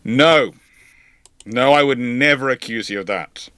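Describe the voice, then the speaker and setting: A man's voice: medium pitch, a little slow, bright, forceful tone, clear, resonant tone. A man hosting a live question-and-answer stream, talking in a wry, discursive way with sarcastic asides. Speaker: host.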